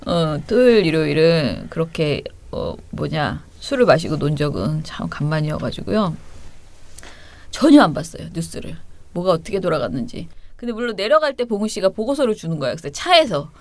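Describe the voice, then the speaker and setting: A woman's voice: lowish voice, animated, brisk, a little mellow. A woman hosting a talk podcast, telling stories in a chatty, playful way. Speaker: podcast host. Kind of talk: casual chat.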